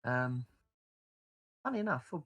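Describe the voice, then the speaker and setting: Lively, bright-voiced swearing man. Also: medium pitch, unhurried, slightly rough. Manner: crude, swearing, boisterous. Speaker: player. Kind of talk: casual tabletop game chat.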